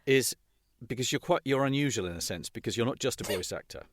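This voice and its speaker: A man hosting a casual interview, talking in a halting, drily jokey way. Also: medium pitch, expressive, no echo, studio quality. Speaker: interviewer, podcast host.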